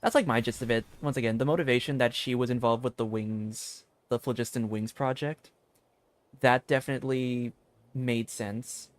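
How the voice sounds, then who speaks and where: A man giving casual gameplay commentary as a streamer, rambling and thinking aloud in a halting way. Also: medium pitch, steady tone, no room sound. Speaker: video game streamer.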